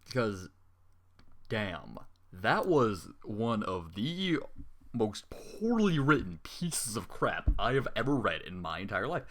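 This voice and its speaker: A man's voice: fairly low pitch, sing-song, a bit bright. A man reading a fan story aloud and breaking off to vent his disgust, swearing openly as he goes. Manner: fast, exasperated, swears openly. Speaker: story reader. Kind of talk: dramatic reading with exasperated commentary.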